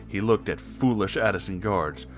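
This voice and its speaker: A man's voice: lowish voice, normal speed, soft background music. Theatrical man reading a comic story. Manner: theatrical, mock-serious. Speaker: story reader. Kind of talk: comedic dramatic reading of fan fiction.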